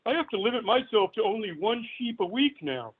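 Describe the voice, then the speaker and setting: A man in his forties calls in to a show over a narrow, tinny phone line. His voice sits high for a man. He delivers absurd jokes in a calm, dry way. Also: a little fast, slightly rough. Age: 40s. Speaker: caller. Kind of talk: deadpan call-in comedy.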